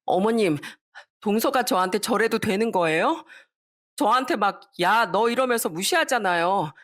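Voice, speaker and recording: A woman's voice: medium pitch, animated, normal speed, close to an everyday voice. A woman voicing a haughty young sister-in-law who is a doctor, speaking in an indignant, huffy way.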